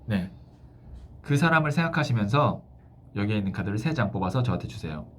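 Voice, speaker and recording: A man speaking as a tarot fortune teller, explaining a love reading to a client with thoughtful pauses. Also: on the low side, expressive, a little hiss or hum.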